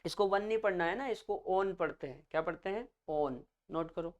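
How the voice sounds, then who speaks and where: A man's voice: fairly high pitch, a little fast. A male chemistry teacher giving a classroom lecture, naming each term, then asking students to repeat it back, calling them children.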